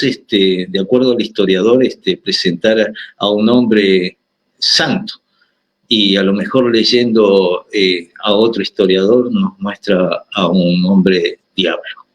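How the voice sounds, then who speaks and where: An Argentine man talks on a discussion panel in a very low, husky voice. He speaks haltingly, filling gaps and restarting his sentences as he goes. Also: poor audio. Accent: Argentine Spanish. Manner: hesitant, many fillers and restarts.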